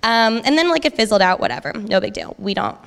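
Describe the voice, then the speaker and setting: A young woman co-hosting a live podcast, telling a story in an excitable, gushing way. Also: mid-range voice, quick pace, vocal fry. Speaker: podcast co-host.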